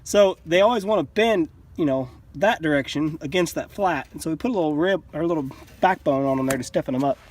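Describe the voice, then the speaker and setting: A man's voice: fairly high pitch, quick pace. A man, a bit out of breath, casually showing the upgrades on his sawmill in a plainspoken, folksy way. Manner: plainspoken, folksy, explains as he goes. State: a little out of breath. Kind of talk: casual how-to vlog. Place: outdoors at a sawmill.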